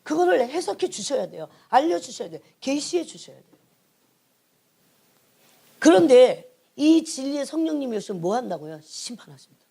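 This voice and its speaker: A middle-aged woman, an evangelist, preaching an emphatic sermon that keeps prodding her listeners and drops to hushed asides. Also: sits high, sing-song, normal speed, gravelly, long pauses. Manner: emphatic, prods the congregation with repeated "예?"; swings between raised emphasis and hushed asides. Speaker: church evangelist, prayer team leader.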